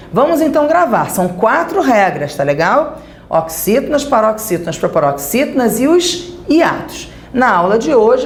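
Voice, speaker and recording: Brazilian woman, grammar teacher, animated pitch, echoey room, light background noise. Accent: Brazilian Portuguese. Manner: lively, explaining with checks like "tá?" and "né?". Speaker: Portuguese teacher. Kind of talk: recorded video lesson.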